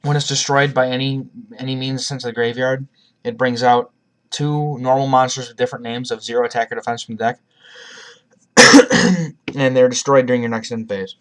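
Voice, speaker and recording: A man walks through a card game deck in loose, chatty talk, often stumbling and restarting his sentences. He has a cough and talks around a cough drop, at a middling pitch. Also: little pitch movement, fairly quick. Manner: rambling, frequent restarts and ums. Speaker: YouTuber presenting a card deck. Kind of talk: casual deck profile talk.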